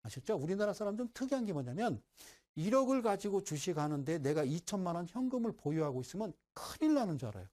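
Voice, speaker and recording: A man's voice: sits high, sing-song, fast, hardly any pauses, dark tone. A middle-aged man giving a broadcast stock-investing lecture, who keeps asking listeners "right?" and teases them.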